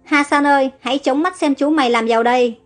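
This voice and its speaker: A woman's voice: high-pitched, fast talker, soft background music, natural voice. A woman reading a greedy scheming servant. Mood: gloating. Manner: gloating, then frantic.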